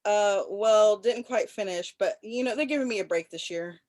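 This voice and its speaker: A woman acting an awkward young student in a film script table read, halting and nervously polite. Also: medium pitch, a little mellow, dry recording, natural voice. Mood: awkward, friendly.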